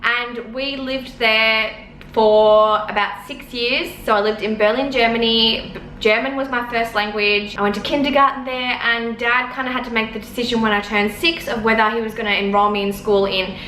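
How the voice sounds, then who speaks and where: A woman's voice: fairly high pitch, fairly even intonation, moderate pace, pushed and bright. A young woman in her twenties rambling chattily with lots of fillers while telling a story from her lounge room. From Australia. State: sore eyes from smoke. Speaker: vlogger. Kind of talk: casual storytelling to camera. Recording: echoey room, faint background noise.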